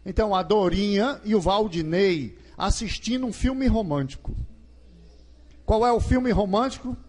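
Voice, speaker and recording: A man's voice: high voice, normal speed, a little mellow. A Brazilian man preaching at a Catholic retreat in a gymnasium. He keeps asking the crowd questions and acts out small scenes for them. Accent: Brazilian Portuguese. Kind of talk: lively sermon. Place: large gymnasium.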